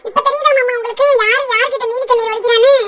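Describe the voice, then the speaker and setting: A defiant young village wife from a cartoon, voiced by an actor, high and bright in tone. She fires back at her mother-in-law with quick, indignant retorts in rural speech. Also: fairly even intonation. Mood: retorting. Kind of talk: cartoon voice acting.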